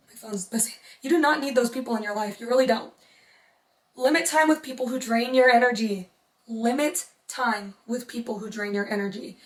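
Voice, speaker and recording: A woman's voice: a little high, echoey room, distant mic, poor audio. A young woman vlogger who is losing her voice, talking earnestly to her viewers and repeating points for emphasis. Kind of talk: casual motivational talk to camera.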